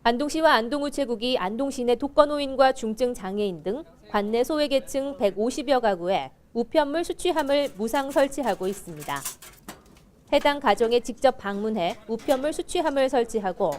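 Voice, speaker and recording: High-voiced woman reading news. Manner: formal, even delivery. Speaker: news reporter. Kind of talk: news report narration.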